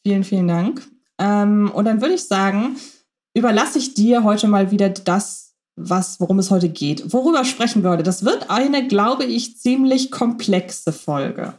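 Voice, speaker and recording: Still unwell and on the mend, this woman co-hosts a podcast and keeps the talk casual, chatty and reflective. Her medium-pitched voice is animated yet a touch slow, with a somewhat dark tone.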